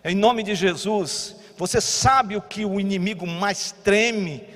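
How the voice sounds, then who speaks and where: A Brazilian pastor preaching a sermon, moving between quiet teaching and loud exhortation. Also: male voice, high-pitched, takes it slowly. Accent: Brazilian Portuguese. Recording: long church hall reverb.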